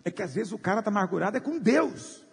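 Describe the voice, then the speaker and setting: A man preaching a sermon with passion, swinging between shouts and low, hushed lines. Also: lively intonation, quick pace, gravelly, breathy edge, long reverb tail. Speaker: pastor.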